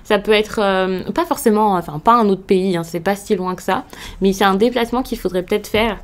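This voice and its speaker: A woman's voice: mid-range voice, a little fast. A woman from France giving a casual tarot reading to camera, hesitant with frequent fillers and restarts, in a reassuring tone. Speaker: tarot card reader.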